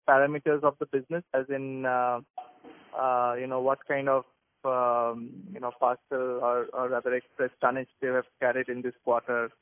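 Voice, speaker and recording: A man, an analyst asking questions haltingly on a conference call. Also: medium pitch, dry recording. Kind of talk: hesitant spoken questions on earnings call. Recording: dry, tinny phone line.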